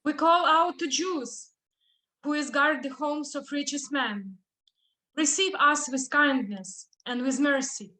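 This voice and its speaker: A woman's voice: high-pitched, takes it slowly, bright, forceful tone, full character voice, rough recording. A woman acting an earnest suppliant daughter pleading for refuge in a Greek tragedy reading. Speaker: actor.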